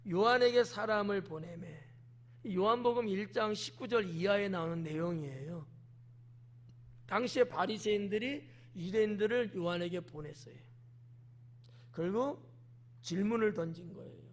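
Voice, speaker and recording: High-voiced pastor preaching conversationally. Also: male voice, moderate pace, long pauses. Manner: conversational preaching with acted quotations. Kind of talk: sermon.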